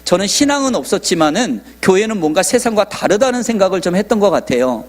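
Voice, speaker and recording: A man's voice: sits high, very animated, fast. A man in his forties, a pastor telling a personal testimony in a sermon and acting out dialogue. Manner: storytelling, acting out quoted dialogue.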